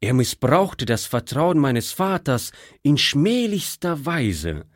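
A man's voice: a little high, sing-song, slow pace, dry recording, studio quality, pitched above the performer's own voice. A man voicing a young German prisoner of war who speaks politely and thoughtfully. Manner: polite, apologetic.

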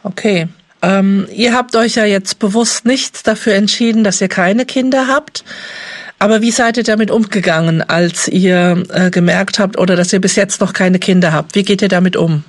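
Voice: medium pitch, normal speed, no room sound, clean studio sound. An interviewer asking brief, plain questions.

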